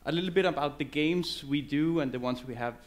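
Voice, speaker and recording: Male conference speaker, English, loose and halting on stage. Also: a little high. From Denmark. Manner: loose, halting delivery with many fillers and restarts. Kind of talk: conference presentation.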